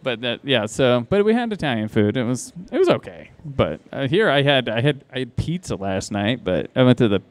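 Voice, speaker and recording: A man's voice: mid-range voice, sing-song, brisk, few pauses, no room sound. A man who organizes a convention tells casual stories as a guest on a live podcast, rambling with many restarts and asides. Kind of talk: casual anecdotal storytelling.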